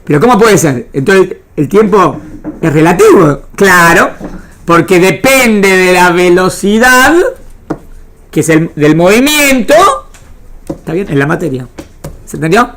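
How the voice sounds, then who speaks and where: Lowish and animated but a little slow, a woman's voice carries an Argentine Spanish accent as she teaches religion to a small class. Her interactive lecture is didactic: she repeats phrases and frequently checks comprehension with questions.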